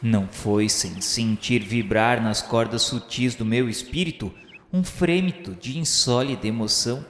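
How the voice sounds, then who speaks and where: A Brazilian man narrating a radio novel as a reverent spirit recounting his memoirs, in formal, measured, poetic phrases. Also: mid-range voice, close to an everyday voice. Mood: solemn, reverent. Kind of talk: solemn literary radio drama narration. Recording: echoey long reverb, music behind.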